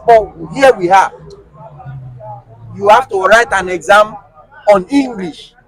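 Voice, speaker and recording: A Nigerian man with a high-pitched voice talks as an interview guest. He is animated and emphatic and throws out rhetorical questions. His accent is clearly Nigerian. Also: slow, rough recording. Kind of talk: casual conversation.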